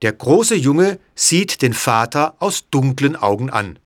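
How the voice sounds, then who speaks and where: Slow, lively-toned male narrator. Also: mid-range voice, dry recording, studio quality. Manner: clear, measured reading. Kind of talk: scripted audiobook narration.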